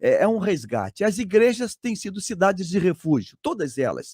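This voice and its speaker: A dark, mellow tone with very wide pitch swings, a moderate pace and a dry, close sound with no echo. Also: man, very clean recording, silent background. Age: 70s. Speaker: pastor. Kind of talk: radio debate.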